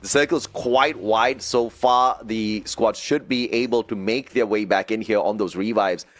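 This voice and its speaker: A man's voice: fairly low pitch, steady tone, unhurried. A man working as an esports caster, giving live play-by-play commentary on game action. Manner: esports caster delivery, narrating the action with exclamations.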